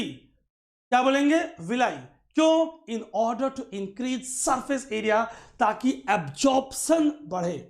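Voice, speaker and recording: A male teacher giving an exam-prep lecture, mixing English terms into his explanations, checking often whether it is clear and calling his viewers friends. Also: very high voice. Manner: addresses viewers fondly as friends.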